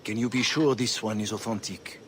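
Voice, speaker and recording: An actor playing a skeptical Templar conspirator who questions doubtfully. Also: male voice, fairly low pitch, fairly even intonation, a little fast, noisy background, close to an everyday voice. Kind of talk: video game cutscene acting.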